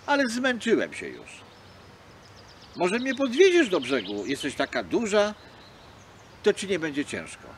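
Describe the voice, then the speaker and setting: A man's voice: high-pitched, huge pitch swings, unhurried, long pauses, slight background noise, voice pushed up, full character voice. A man doing a plucky little fox. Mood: cheeky. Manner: cheeky, chuckling. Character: small clever male fox, plucky and tired.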